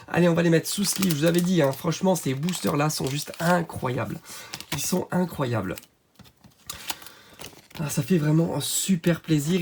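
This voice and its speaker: A man with a hoarse voice from a cold, chatting casually as he opens trading card packs for his channel. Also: on the high side, slight background noise. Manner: chatty, many fillers, excited at good pulls. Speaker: channel host. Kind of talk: card unboxing commentary.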